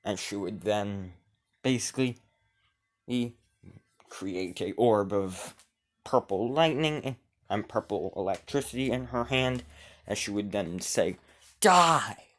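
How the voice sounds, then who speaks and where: A man's voice: lowish voice, slow, pauses often. A man improvising a fan story as narrator, rambling with frequent restarts.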